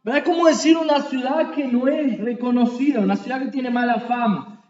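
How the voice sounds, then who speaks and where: Man preaching loud and emphatic, lots of "right?", echoey church, muffled sound. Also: extremely high pitch, normal speed. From Uruguay. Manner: emphatic, rhetorical questions, repeats "verdad"; cries out quoted pleas loudly. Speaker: pastor. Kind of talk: sermon. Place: church sanctuary.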